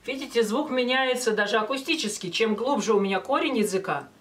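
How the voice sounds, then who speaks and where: A woman's voice: a little high, a little fast. Female vocal coach, slightly distant mic. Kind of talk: instructional talk with short sung demonstrations. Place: small indoor studio with banner backdrop.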